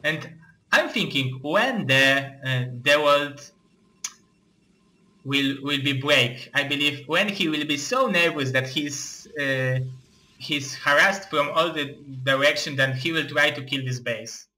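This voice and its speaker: A man with a Russian accent casting a live strategy game tournament, excitable, with halting non-native phrasing. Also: fairly high pitch, low-quality recording. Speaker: esports caster and tournament host.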